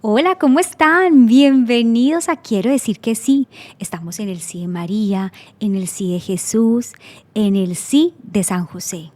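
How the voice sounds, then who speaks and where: A woman's voice: a little high, a little mellow. Devout woman hosting a faith talk show. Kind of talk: welcoming show host.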